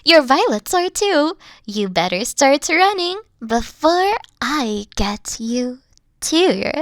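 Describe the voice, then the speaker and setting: A woman playing a haughty but secretly soft, dorky evil queen in a roleplay audio, pompous, theatrical and easily flustered. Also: high voice, very animated, slow, no room sound, studio quality, exaggerated voice. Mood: boastful, frustrated. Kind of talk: playful roleplay audio acting.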